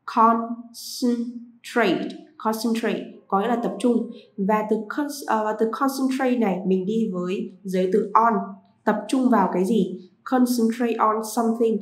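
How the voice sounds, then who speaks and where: A woman teaching a vocabulary lesson to pupils, repeating each English word slowly before explaining it. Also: on the high side, roomy sound, rough recording.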